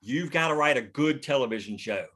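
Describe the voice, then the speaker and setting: A man's voice: medium pitch, lively intonation, a little fast, a bit bright. A man talking casually and emphatically as a screenwriter, explaining his thinking in a rambling way. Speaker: screenwriter leading a script table read. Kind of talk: casual discussion.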